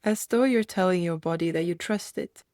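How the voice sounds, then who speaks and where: A woman's voice: fairly low pitch, no echo. Woman guiding meditation, close dry sound. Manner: gentle, unhurried phrasing with soft invitations and reflective pauses. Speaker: meditation guide. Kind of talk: guided meditation, gentle instruction.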